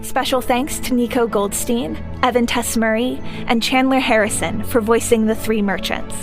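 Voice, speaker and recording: A woman's voice: a little high, steady tone, moderate pace. A woman reading scripted end credits as an announcer for an audio drama. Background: theme music.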